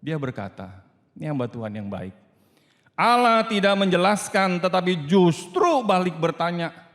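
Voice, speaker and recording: A man with an Indonesian accent delivers a sermon in a high voice, swinging from loud cries down to hushed, low murmurs. He preaches into a stage microphone in a church sanctuary, and a long reverb trails each phrase. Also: very animated, moderate pace. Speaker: pastor.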